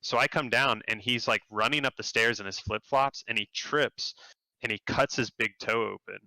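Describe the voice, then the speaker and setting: Low gravelly guy, bright edge, dry close sound, telling wild work stories in an interview. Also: normal speed, dry recording, poor audio. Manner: animated, acts out quotes in a higher voice. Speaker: game developer guest. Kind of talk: casual storytelling interview.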